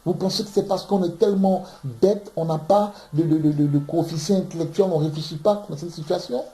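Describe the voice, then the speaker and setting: Fairly high in pitch and a bit quick, with a dark tone, the man from Ivory Coast teaches the bible passionately and emphatically. He frequently repeats words as he looks for them, and the London room he's in sounds echoey.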